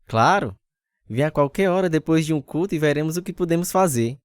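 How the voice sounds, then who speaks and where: A man acting as an earnest, troubled young Bible college student who tells his story in a measured, confessional radio drama style. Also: fairly high pitch, animated, clear, resonant tone, no echo, clean studio sound, close to an everyday voice. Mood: friendly. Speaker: narrator and lead actor. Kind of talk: dramatized first-person radio testimony. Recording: music under the voice.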